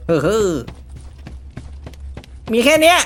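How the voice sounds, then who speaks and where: A man's voice: takes it slowly, a bit bright, faint music behind. A man giving casual horror game commentary in a chatty way, nervously talking himself through the scary parts. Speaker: gaming YouTuber.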